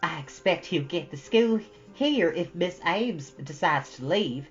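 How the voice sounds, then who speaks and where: A woman voicing a chatty, lively teenage girl with gossipy emphasis in a storybook reading. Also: lowish voice, unhurried, lo-fi sound, soft background music, voice pushed up. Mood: chatty, newsy.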